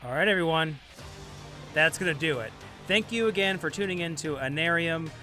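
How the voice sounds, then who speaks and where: A man hosting a podcast, speaking casually and directly to listeners with some hesitant pauses. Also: a little high, sharp tone. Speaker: podcast host. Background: music.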